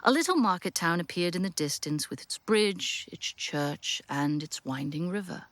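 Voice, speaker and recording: A woman playing the storyteller, giving expressive, literary narration in a scripted audio drama. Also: lowish voice, moderate pace, no echo. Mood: descriptive. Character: storyteller narrating a classic Christmas tale.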